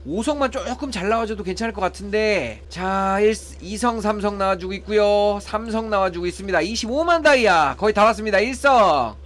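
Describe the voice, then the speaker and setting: A man's voice: high-pitched, animated, brisk, hardly any pauses, fairly bright tone. A man giving casual play-by-play of his mobile game pulls, counting results and pleading for good draws. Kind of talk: casual gameplay commentary.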